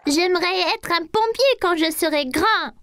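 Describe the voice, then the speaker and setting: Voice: very high-pitched, bright, forceful tone, dry recording, clean studio sound, soft background music, exaggerated voice. A performer voicing a small, curious boy in a French-dubbed children's cartoon, speaking in simple, childlike phrases. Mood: eager, curious. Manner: slow, simple, childlike questions. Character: small boy, about four, eager and curious.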